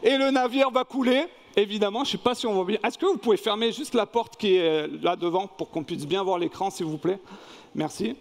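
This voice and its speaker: A man leading a church service as pastor, running a lively film quiz and asking the congregation questions. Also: high voice, fairly quick. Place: church hall. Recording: long reverb in a church hall.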